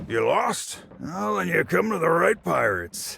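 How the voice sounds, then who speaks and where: A man puts on a raspy character voice, fairly high in pitch. He speaks at a moderate pace. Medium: video game.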